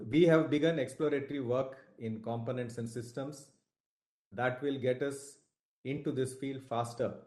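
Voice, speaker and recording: A man giving a formal, deliberate business presentation on an earnings call. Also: mid-range voice, warm tone. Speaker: corporate executive presenting. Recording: roomy conference call audio.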